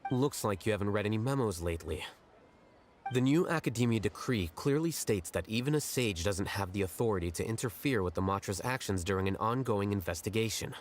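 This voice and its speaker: A man's voice: on the low side, animated, brisk, slight background noise, natural voice. An actor playing a cool, blunt young male scholar who speaks in a detached, articulate way in an anime video game. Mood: dry, blunt. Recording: background music under game dialogue.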